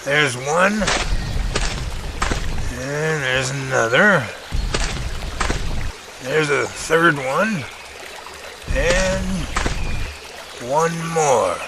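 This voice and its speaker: A man acting a deliberate, methodical professor examining tracks in an audio drama. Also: fairly high pitch, lively intonation, vocal fry, background noise, heavily acted. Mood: studious. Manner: deliberate, measuring each phrase.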